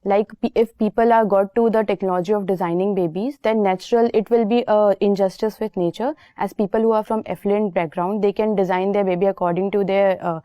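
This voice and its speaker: A woman's voice: mid-range voice, steady tone, brisk, hardly any pauses, warm tone, no echo, clean studio sound. A young woman in her twenties with an Indian English accent, answering an interview panel politely, with many fillers and "sir". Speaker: interview candidate. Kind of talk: formal mock interview answers.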